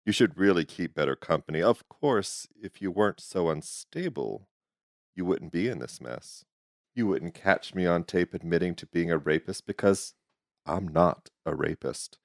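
Smug, manipulative man of power, played by a male actor, deep and dry, falsely courteous, talks down to people; audio drama. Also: lively intonation, normal speed, no room sound. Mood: gloating, condescending. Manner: condescending, gloating.

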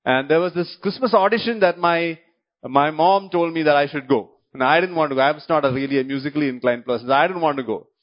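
High-voiced Malayali preacher, lo-fi recording. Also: male voice, quick pace. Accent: Malayali Indian English. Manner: checks in with the congregation through repeated short questions; repeats key phrases and restarts his sentences. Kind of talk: sermon. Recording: dull lo-fi recording.

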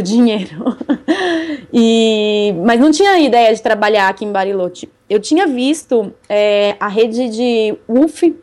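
A young Brazilian woman telling about her bicycle travels in a casual interview, chatty and laughing often. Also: a little high. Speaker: cycle traveler guest.

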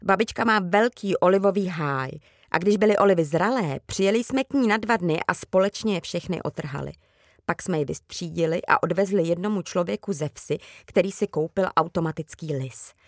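A woman reading a children's book aloud with calm, even storytelling. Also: lowish voice, no room sound, clean studio sound. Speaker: reader.

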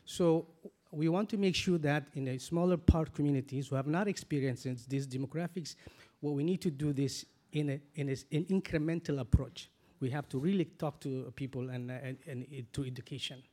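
Man, forties, earnest, halting, restarts, panel guest. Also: a little high, warm tone. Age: 40s. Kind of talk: panel discussion.

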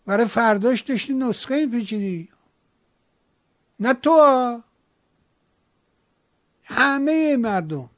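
A man's voice: extremely high pitch, lively intonation, pauses often, no echo, clean studio sound. A man hosting a call-in show, scolding and lecturing a caller in a heated debate. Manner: lectures and scolds, dramatic chanting asides.

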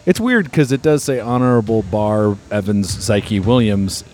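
A man's voice: lowish voice, a little slow, darkish tone, a little hiss or hum. A man hosting a comedic podcast, calling an amateur basketball game live with dry jokes about the score and clock. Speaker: play-by-play announcer and podcast host. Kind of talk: comedic live sports commentary.

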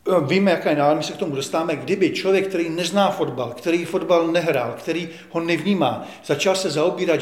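Older male pundit, indignant and emphatic, slightly high voice, echoey studio. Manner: indignant, emphatic, repeats himself. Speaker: veteran football journalist, guest. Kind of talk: studio interview.

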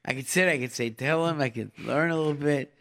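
A man's voice: a little high, fast, vocal fry, fairly bright tone. Middle-aged man hosting a call-in show. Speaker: radio call-in show host and advice giver. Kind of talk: conversational live call-in advice.

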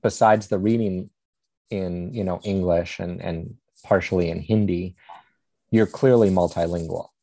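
Man, interviewer, deep voice, mellow and dark, casual conversational style, tentative informal phrasing. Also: fairly even intonation, a little slow, no echo, rough recording.

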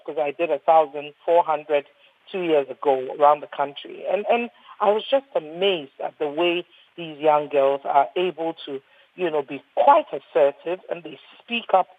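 Her voice sits low as this sixty-something Ghanaian doctor speaks earnestly in a panel discussion, frequently repeating words when she restarts. No room sound is present, though the line is thin and phone-like, husky and dry.

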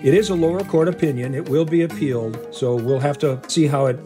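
An older man, a law professor, answering interview questions in a deliberate way, listing points one by one. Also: fairly high pitch, over music.

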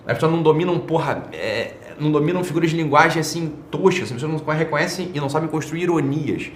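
A man talks fast and bluntly in a fairly high voice, piling on slang and swear words and tossing in rhetorical questions. He hosts his own online show and treats it as a casual opinion rant. The room around him gives his voice a noticeable echo, with faint ambient noise underneath. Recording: roomy echo.

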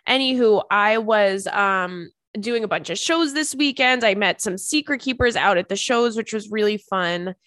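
A young woman comedian hosting her own podcast, talking to listeners in a loose, joking, self-mocking way. Her voice sounds stuffed up and congested, sitting at an ordinary middle pitch. The recording is dry and close, with no room sound around her. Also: normal speed, hardly any pauses, fairly bright tone, dry recording. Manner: chatty, joking, self-deprecating. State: congested from crying. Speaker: podcast host and stand-up comedian. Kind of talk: casual solo podcast chat.

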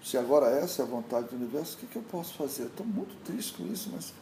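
Man doing a calmly resigned king. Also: fairly high pitch, fast, gravelly, echoey room, a little hiss or hum, low-quality recording. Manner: calm, resigned, lamenting. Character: resigned, calm middle-aged male king.

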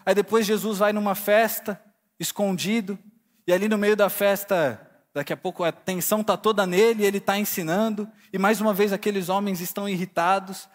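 A man's voice: high voice, fairly even intonation, fairly quick, big-room sound. A Brazilian man preaching a casual sermon, retelling the scene vividly in slang and acting out the people in it. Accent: Brazilian Portuguese. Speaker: pastor.

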